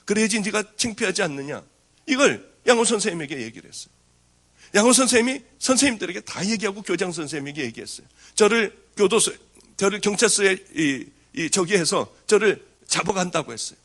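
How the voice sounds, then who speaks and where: A man's voice: sits high, expressive, fairly quick, a bit bright. Man pastor telling his testimony. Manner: storytelling, acting out quoted speech. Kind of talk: testimony sermon.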